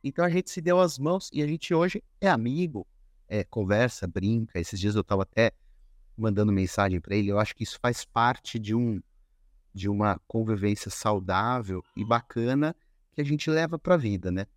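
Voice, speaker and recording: A man as a podcast guest, telling stories in a relaxed, conversational way with frequent restarts and fillers. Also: lowish voice, normal speed, no room sound, studio quality. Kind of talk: casual conversation.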